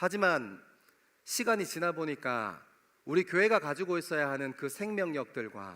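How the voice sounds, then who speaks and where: The speaker is a man. His intonation is lively, and his tone is bright and sharp. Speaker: pastor. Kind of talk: sermon. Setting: church youth worship service. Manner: conversational, addresses audience often.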